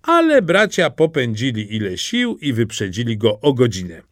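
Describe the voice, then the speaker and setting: A man narrating a fairy tale for an audiobook, very expressive and animated. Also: moderate pace, dry recording, clean studio sound. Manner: highly expressive, animated storytelling.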